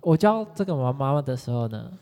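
An excitable speaker tells customer stories in a casual podcast chat. The voice often jumps up in pitch as the tales build. A long, hall-like reverb trails after each phrase. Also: a little fast. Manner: animated, excitable storyteller. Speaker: podcast co-host, former education sales consultant.

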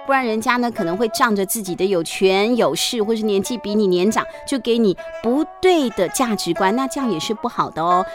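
A woman reading a picture book aloud to children as a bedtime storyteller, lively and chatty, often asking the kids questions. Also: on the high side. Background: background music.

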